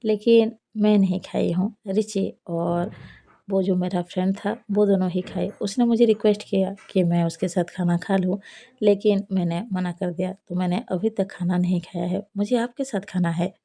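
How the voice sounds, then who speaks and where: Lady reading as a soft coaxing young woman, dark gravelly voice, kinda husky. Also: on the low side, steady tone, normal speed. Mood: reassuring. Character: young woman, gentle and pleading caretaker. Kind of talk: storybook narration.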